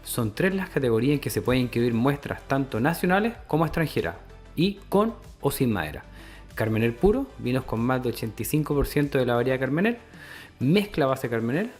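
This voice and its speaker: A man's voice: medium pitch, lively intonation, brisk, a little mellow. A man reading a scripted promotional announcement as an announcer. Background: music.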